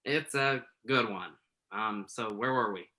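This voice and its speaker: Man playing a hesitant, bright-voiced journalist. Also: on the low side. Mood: awkward, guarded. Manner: hesitant, halting. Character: Tuck, conflicted entertainment journalist man hiding his identity. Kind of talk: virtual staged play reading, naturalistic dialogue.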